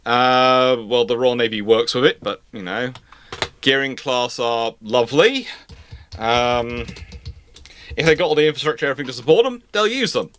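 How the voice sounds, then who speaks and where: A man's voice: medium pitch, normal speed, a bit bright. A man hosting a live history panel, explaining off the cuff and emphatically repeating phrases for stress. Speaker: host of a live naval history question panel. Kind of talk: off-the-cuff expert commentary in a live discussion.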